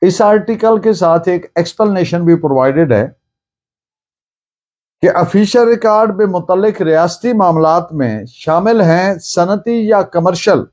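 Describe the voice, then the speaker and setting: A Pakistani man delivers a formal law lecture at a slow, measured pace. His voice sits fairly high and rises and falls markedly as he stresses key phrases. He is deliberate and emphatic, often restating a point. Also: animated, darkish tone. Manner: deliberate, emphatic, repeating points in Urdu and English. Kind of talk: formal lecture, reading out and explaining legal text.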